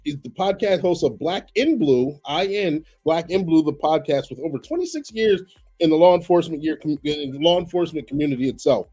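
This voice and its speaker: A man hosting a live-streamed podcast, hoarse from a cold, talking in a chatty way that repeats itself, with coughs and apologies. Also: on the high side, lively intonation, fairly quick, warm tone. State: hoarse, getting over a cold. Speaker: podcast host.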